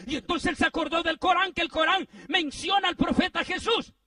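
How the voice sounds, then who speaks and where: A man preaching, telling a story in a sermon, animated and rising to shouts at the peaks. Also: brisk, recorded from a distance. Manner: animated, swings from low asides to shouted climaxes.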